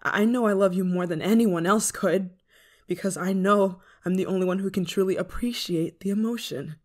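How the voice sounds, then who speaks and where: A woman performs a female android who has gone deviant and clings desperately to the one she loves. Her delivery is hesitant and emotionally charged, in a mid-pitched voice, as in an intimate ASMR roleplay drama. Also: moderate pace, darkish tone, natural voice. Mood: pleading, possessive.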